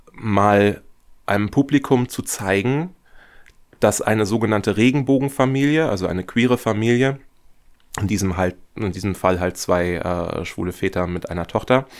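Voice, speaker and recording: A young man being interviewed about his audio drama, speaking in a reflective, earnest way. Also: fairly low pitch. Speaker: guest, audio drama author. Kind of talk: podcast interview.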